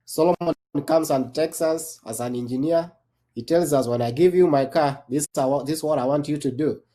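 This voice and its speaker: A man's voice: a little high, moderate pace, mellow. A Kenyan-born man and army veteran, speaking as a guest on a panel discussion, talking loosely with many restarts and fillers.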